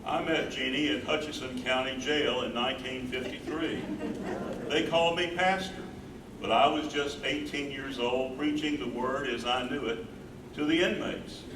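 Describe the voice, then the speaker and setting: A man's voice: mid-range voice, steady tone, normal speed, close to an everyday voice. An older man playing an earnest, devoted husband and caregiver in a staged reading, with emphatic phrasing. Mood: reminiscing. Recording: roomy, distant, noisy live stage recording.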